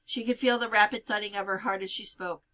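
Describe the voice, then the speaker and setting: Bright-voiced woman reading a story aloud. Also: medium pitch, fairly even intonation, fast. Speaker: reader reading a novel aloud. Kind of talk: expressive storybook read-aloud with character dialogue.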